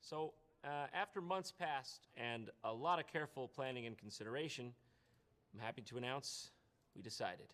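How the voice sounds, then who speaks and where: A man narrating a scripted comedy mockumentary in a deadpan, boastful way that swings into loud outbursts. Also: mid-range voice, normal speed. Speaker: comedic host of a mockumentary video. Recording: music bed under the voice.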